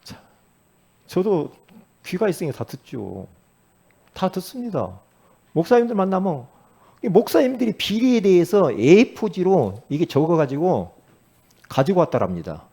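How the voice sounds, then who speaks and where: A man preaching a sermon as pastor, talking in a conversational way with sudden loud emphatic rises. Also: high-pitched, sing-song, moderate pace, vocal fry, pauses often, breathy edge.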